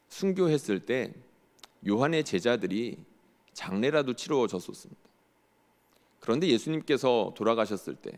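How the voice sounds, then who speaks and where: A male pastor preaching a sermon in earnest, often posing rhetorical questions to the congregation. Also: medium pitch. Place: church sanctuary. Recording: long church hall reverb.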